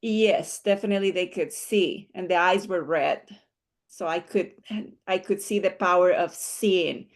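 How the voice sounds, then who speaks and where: A woman's voice: fairly low pitch, steady tone, measured pace. Earnest woman session participant. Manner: warm, earnest, searching for words. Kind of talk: casual chat.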